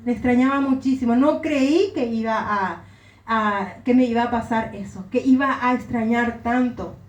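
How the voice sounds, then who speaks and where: A woman's voice: fairly high pitch, moderate pace. A middle-aged woman pastor with an Argentine Spanish accent, giving an earnest, emotional sermon testimony. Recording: roomy echo.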